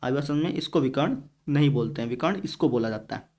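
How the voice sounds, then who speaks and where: A man's voice: medium pitch, expressive, a little fast, darkish tone. A man teaching a math lesson in a conversational classroom style, with a Hindi-speaking north Indian accent, often asking his students if they are following and answering in their voice. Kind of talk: classroom lecture.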